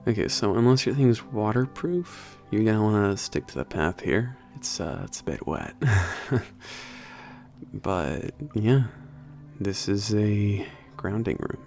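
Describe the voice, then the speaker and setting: A man playing a laid-back, cocky werewolf trainer at a spaceport in an ASMR roleplay, talking casually with teasing, swearing and halting phrases. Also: on the low side, lively intonation, gravelly, darkish tone, faint music behind, heavily acted. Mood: relaxed, fond. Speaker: trainer showing a new hire around. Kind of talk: ASMR roleplay, casual one-sided conversation.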